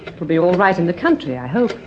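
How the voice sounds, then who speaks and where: A woman's voice: on the low side, very animated, fast, noisy background. An actress playing a polite, secretive British woman with a hesitant manner in a radio drama. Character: polite, anxious, secretive female neighbour. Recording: dull vintage radio recording.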